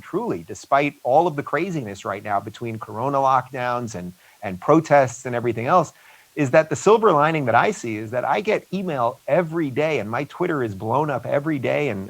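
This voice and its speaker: Man, interview host, mid-pitched voice, earnest, stumbles over openings, video call. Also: low-quality recording. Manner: earnest, repeats words when starting sentences. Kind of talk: conference interview introduction. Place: remote video session.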